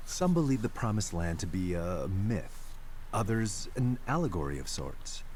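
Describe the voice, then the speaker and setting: A man's voice: deep voice, big pitch swings, background noise. A male actor playing a formal, persuasive corporate agent with ulterior motives in a dramatic video game. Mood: calm, persuasive. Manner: formal, measured wording.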